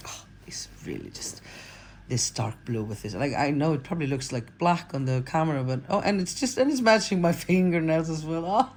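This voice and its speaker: A woman's voice: sits low, lively intonation, a little fast, few pauses, a little mellow. A woman in her forties with an Icelandic accent, giving a casual, chatty how-to tutorial and rambling with fillers and self-corrections. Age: 40s. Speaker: crochet pattern designer.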